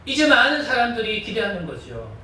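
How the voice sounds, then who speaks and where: A man pastor preaches in a church sanctuary with a high, sharp voice whose pitch swoops wildly, speaking briskly. His earnest sermon keeps leading the congregation in call-and-response. The recording is echoey from a distant mic in the hall, with a faint hiss or hum.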